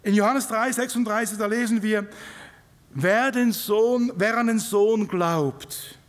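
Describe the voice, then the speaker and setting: A middle-aged man with a Swiss German accent preaches with emphasis, often putting questions to his listeners. His voice sits rather high for a man. It rings out in a large hall with a long reverb. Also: a little slow. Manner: emphatic, asks the congregation questions. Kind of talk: sermon. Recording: live recording in a reverberant hall.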